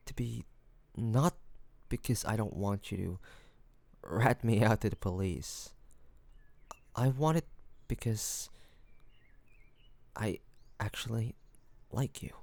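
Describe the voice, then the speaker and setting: A man playing a smitten, courteous mafia boss in an intimate romantic audio roleplay, speaking haltingly with bashful hesitations. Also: lowish voice, creaky, darkish tone, no echo. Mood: earnest, nervous.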